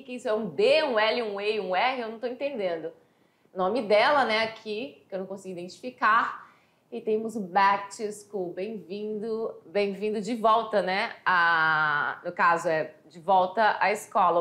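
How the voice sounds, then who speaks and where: A Brazilian woman teacher giving a lively exam review lesson, chatty, slowing down to read English phrases aloud. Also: mid-range voice, echoey room. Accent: Brazilian Portuguese. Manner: animated, chatty, reads English quotes slowly.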